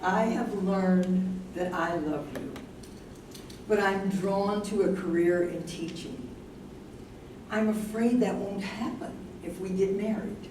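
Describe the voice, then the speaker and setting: A woman in a staged play reading, playing an ambitious, principled young woman weighing marriage, with measured delivery. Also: medium pitch, natural voice. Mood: tender, hesitant. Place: live staged reading in a room. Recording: very echoey room, distant mic, noisy.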